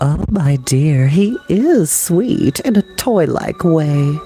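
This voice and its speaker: A breathy put-on character voice at a middle pitch talks very slowly. Music plays in the background. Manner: dismissive, condescending.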